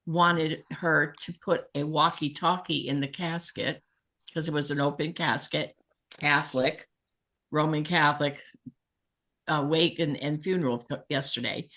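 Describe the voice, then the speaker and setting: A middle-aged woman with a slightly low voice tells a long, animated anecdote in a casual chat. She laughs often as she goes and keeps an easygoing storyteller's rhythm. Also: measured pace. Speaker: spiritual healer and guest. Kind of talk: casual storytelling on a talk show.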